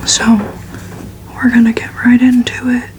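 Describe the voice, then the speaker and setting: A woman doing whispered ASMR reading in a breathy, slightly cracked voice, gentle and unhurried, a little short of breath while getting over a cold. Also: a little high, completely flat delivery, noisy background. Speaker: host of an ASMR reading channel.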